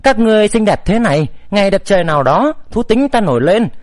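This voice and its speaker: A man's voice: sits high, very animated, quick pace, no room sound. Man playing a wry young nobleman. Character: young nobleman, wry and teasing, stern at times.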